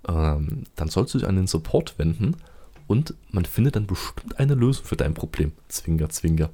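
A man chatting casually in a low, dark, slightly husky voice. He talks fast, jokes a lot and fills his sentences with ums and restarts. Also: very animated. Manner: chatty, jokey, many fillers and restarts. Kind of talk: casual chat.

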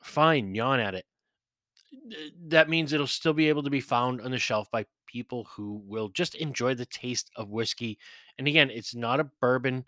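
A man's voice: mid-range voice, normal speed, pushed and bright, dry recording, clean studio sound. Blunt, profane man reviewing whiskey. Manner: blunt, profane, chatty with mocking asides. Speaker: podcast host reviewing whiskey. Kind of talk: casual spoken review.

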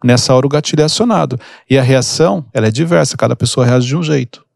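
Quick-paced and gravelly, with a darkish tone at medium pitch, a man hosts a podcast as a mentor. He unpacks emotional triggers in a casual teaching conversation, telling stories and impersonating the people in them. It's a dry, clean studio recording.

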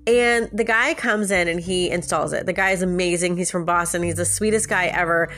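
Her voice is on the low side and fairly bright, moving a little fast, though stuffed up and nasal from a sinus infection. As a podcast host she spins a casual story, talking directly to her audience and laughing a lot.

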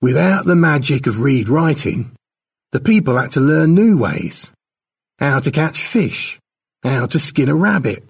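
A man plays a tribal elder passing a sad legend down to the young. The telling is solemn and simple, with pitch that swings widely and a creaky, husky grain. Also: sing-song, unhurried, distant mic, exaggerated voice. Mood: earnest teaching.

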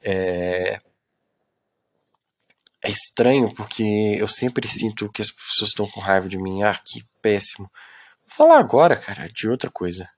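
A man's voice: lowish voice, sing-song, a little slow, breathy edge. A young man, rambling through a solo podcast into a phone in a self-mocking, complaining way that often trails off into mumbles. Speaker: podcast host.

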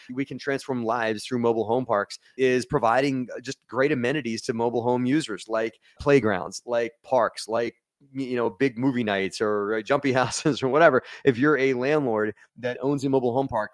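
A man hosting a podcast, talking to viewers and his guest in an energetic, casual way with quick restarts. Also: mid-range voice, no room sound. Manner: energetic, talks fast with restarts and asides to viewers. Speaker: podcast host. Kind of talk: casual podcast monologue and interview.

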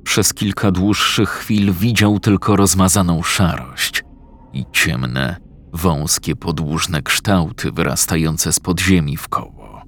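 A man narrating a horror story in a slow, measured, scripted reading. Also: deep voice, a bit bright.

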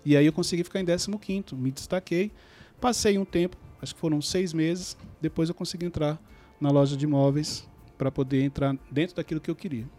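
A man's voice: a little high, a little fast, faint music behind. A man, telling stories from his own life as a podcast guest and acting out past conversations. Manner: animated, acts out remembered dialogue. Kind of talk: storytelling in a podcast interview.

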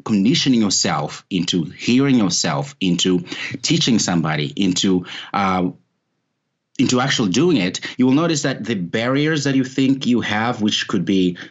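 A man's voice: lowish voice, animated, moderate pace, lo-fi sound. A man whose first language is not English, a podcast guest giving earnest encouraging advice in casual chat, often tagging "right?". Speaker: podcast guest, course creator.

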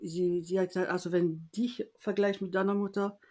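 With a lowish voice at a moderate pace, a woman from France tells a personal story in an interview. She's lively, voices the people she quotes, and keeps restarting her sentences.

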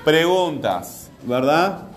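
A man's voice: on the high side, very animated, drawn-out words, faint music behind. A man teaching a class, patiently questioning his students as he goes. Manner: patient, asks the class repeatedly.

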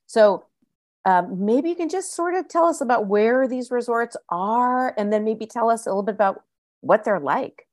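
A woman's voice: a little high, animated, moderate pace, a little mellow, no echo, studio quality. Chatty woman podcast host. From California. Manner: chatty, playful and self-mocking. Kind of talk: podcast interview.

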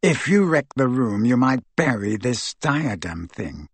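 A man acts out a haughty teenage rival from a fantasy storybook. His voice is brittle and a little rough, his manner sneering and impatient. It is recorded dry. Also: medium pitch, sing-song, measured pace, no room sound, heavily acted.

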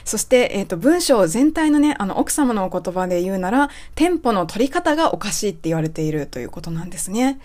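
A woman who coaches English pronunciation hosts a casual spoken lesson, reading out an email from a listener. Her medium-pitched voice is sing-song and brisk with few pauses, and she's chatty, full of fillers and soft rephrasings.

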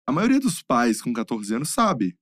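Male host, lively pitch, dry close sound, expressive and affirming. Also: normal speed, no room sound. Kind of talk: casual podcast chat.

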